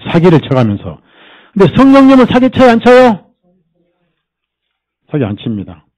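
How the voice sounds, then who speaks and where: A man's voice: sits high, huge pitch swings, moderate pace, a little mellow, highs cut off. A male pastor preaching at a church service, quizzing the congregation with rhetorical questions and mimicking people to make his points. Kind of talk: sermon.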